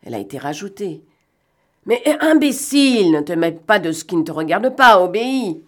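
A woman reading aloud and voicing a cunning male gentleman thief who talks in a mocking, bantering way and snaps out brisk orders. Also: fairly low pitch, expressive. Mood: commanding. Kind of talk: audiobook reading.

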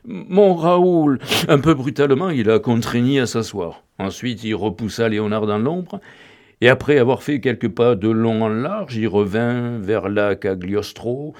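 A man narrating a classic novel in a measured, dramatic way. His voice is on the low side. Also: darkish tone. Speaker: audiobook reader. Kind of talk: literary audiobook narration.

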